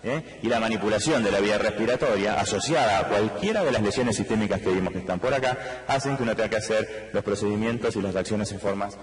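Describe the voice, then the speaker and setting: An Argentine anesthesiologist gives a medical conference lecture in a large hall, speaking quickly with few pauses in a fairly low voice. He explains at length, addresses the audience directly and throws in rhetorical questions; the recording is roomy and low quality.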